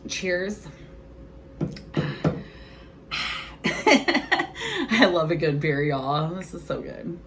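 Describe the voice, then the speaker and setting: Low-voiced woman chatting candidly, some noise. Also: huge pitch swings, extremely slow, pauses often. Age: 40s. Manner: candid, conversational. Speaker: host of a cooking vlog. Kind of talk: casual chat to camera.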